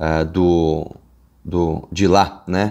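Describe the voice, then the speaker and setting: A man talks in an animated tone over a quiet background. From Brazil. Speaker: political commentator youtuber; political commentator. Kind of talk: video commentary. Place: home room. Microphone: earbuds.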